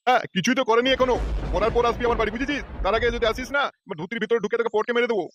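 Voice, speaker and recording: A man voicing a cranky, sharp-tongued old grandfather who scolds sarcastically in a comedy cartoon. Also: extremely high pitch, fairly even intonation, very fast, lo-fi sound, noisy background. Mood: angry scolding. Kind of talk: comic cartoon dialogue.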